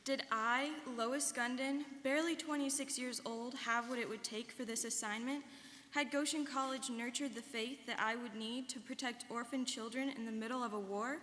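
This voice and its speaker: A young woman performs as a student onstage, reading a rehearsed first-person account of her life with earnest recollection. Her natural voice is on the high side and a bit bright, with fairly even intonation and normal speed. The recording picks up a reverberant hall and faint noise.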